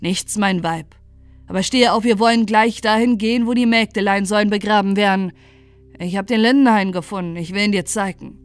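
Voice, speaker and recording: A woman's voice: medium pitch, measured pace, dry recording, faint music behind, close to an everyday voice. Woman doing a cold grim knight. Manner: loud, cold, chanting.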